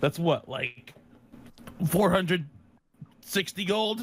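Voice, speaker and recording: In a put-on character voice, a man sounds raspy and high-pitched as he talks at a fairly slow pace. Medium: actual play. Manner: haughty yet flustered, lazy.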